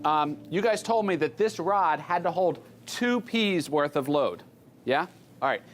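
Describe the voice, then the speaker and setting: A rather high-pitched American man leads a class as the teacher. He talks informally, throwing out questions and echoing answers back, with soft music underneath. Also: expressive. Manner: informal, repeats students' answers, prompts with quick questions.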